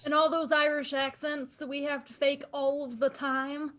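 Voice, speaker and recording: A woman's voice: high-pitched, level tone, moderate pace, over a noisy crowd, lightly acted. A woman improvising as a fed-up female leprechaun on a theater stage, mocking the way others treat her. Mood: exasperated. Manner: exasperated, mocking quotes. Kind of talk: improv comedy scene.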